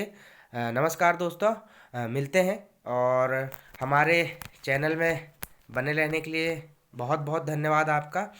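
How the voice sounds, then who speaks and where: A male teacher gives a recorded grammar lecture. He talks straight to his students as friends and drags out each example word so they can follow. Short pauses and fillers break up his explaining. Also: on the high side, a bit bright, smooth. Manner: addresses listeners as friends, repeats examples slowly; frequent hesitation fillers.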